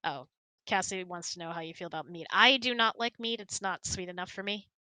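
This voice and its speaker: A woman's voice: fairly low pitch, brisk, pushed and bright, no room sound. A woman host chatting casually and answering audience questions in a giggly, chatty way.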